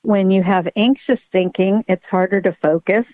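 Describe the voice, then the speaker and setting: This guest on a podcast interview is a middle-aged pediatric neurologist, an eager explainer heard over a tinny, phone-quality line. She speaks at medium pitch and a moderate pace, and the recording is dry.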